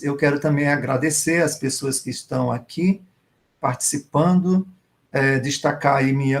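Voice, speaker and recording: A middle-aged man, a writer and professor speaking as a guest in an online literary conversation, reminiscing warmly and gratefully. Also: a little high. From Maranhão, Brazil.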